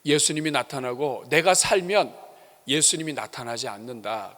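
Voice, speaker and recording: A man's voice: fairly high pitch, a bit bright, long reverb tail. A male pastor giving a sermon in a church, emphatic and asking the congregation rhetorical questions. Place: church sanctuary.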